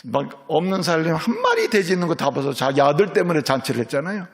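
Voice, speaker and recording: A middle-aged man, a senior pastor, preaching a sermon as a lively storyteller who keeps checking in with his congregation. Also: on the high side, fast. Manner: lively storytelling preacher, voices characters in quotes, asks "예?" of the congregation.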